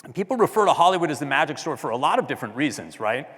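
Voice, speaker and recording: A man giving a talk at a design conference, chatty and loud, often asking the audience questions. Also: on the high side, sing-song, rapid-fire, long reverb tail, slight background noise. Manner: loud speaking voice. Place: large hall with audience.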